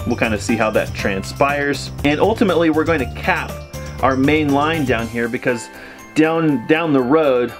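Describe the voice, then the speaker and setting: Plainspoken man explaining plumbing outdoors. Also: medium pitch. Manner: practical, plainspoken, explains step by step. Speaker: homesteading vlogger. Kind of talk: casual explainer vlog. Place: outdoors in snow by a forest.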